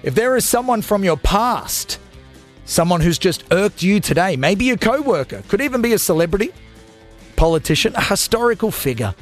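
A young Australian man hosting a late-night radio show, ranting crudely and comically to listeners in a studio. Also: sits high. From Australia (Gold Coast, Queensland). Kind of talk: energetic talk radio monologue.

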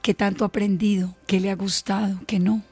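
A woman's voice: medium pitch, little pitch movement, fairly quick, dark tone, breathy edge, faint music behind. A woman interviewer asking a candidate direct, pointed questions. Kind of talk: news interview.

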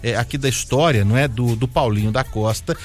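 A male radio presenter talks through a feature in an easy, chatty way, with a mid-pitched voice. He strings his story along with fillers and asides. Soft music plays faintly under the broadcast sound. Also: a little fast.

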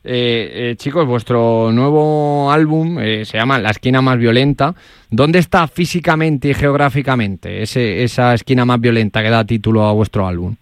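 A man's voice: mid-range voice, normal speed, dry recording, studio quality. A man from Granada, a radio host asking questions in a hesitant way with many fillers. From Granada, Spain. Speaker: radio interviewer. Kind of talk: radio interview.

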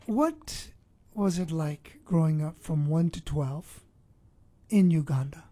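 A man's voice: fairly high pitch, takes it slowly, warm tone, no echo. A man hosting a Christian radio ministry show, speaking earnestly and preachily, sometimes restarting his words.

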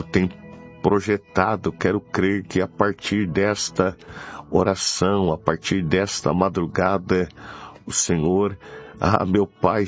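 A Brazilian man leading a fervent Christian prayer as a preacher, pleading and repeating himself with frequent devotional interjections. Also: low-pitched. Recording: dull lo-fi audio with music behind. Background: music.

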